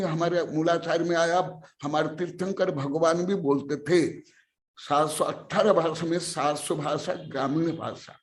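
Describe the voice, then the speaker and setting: An older man delivers a scripture sermon as a monk teacher. His voice sits high for a man, and he speaks very slowly. He hammers points home in short repeated phrases. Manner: slow, emphatic lists of repeated phrases. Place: teaching hall with listeners.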